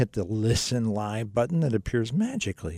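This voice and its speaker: Speaking at a moderate pace, a man with a medium pitch has a plain, everyday voice. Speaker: financial radio show host. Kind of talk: live radio call-in show. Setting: radio studio. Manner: jovial and chatty.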